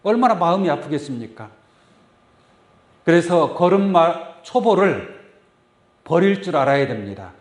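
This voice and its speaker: Male pastor, sermon delivery, questions to the flock, lively pitch, roomy church sound. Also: unhurried, pauses often. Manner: asks the congregation many questions. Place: church sanctuary. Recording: echoey church room. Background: congregation saying amen.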